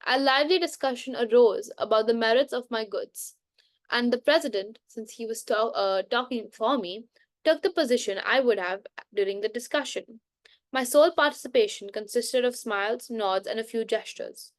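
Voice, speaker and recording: A woman's voice: fairly high pitch, dry recording. A woman reading a book aloud at bedtime, often restarting and correcting words, with an occasional cough. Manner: halting reading with frequent restarts and self-corrections. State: coughing now and then. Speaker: book reader.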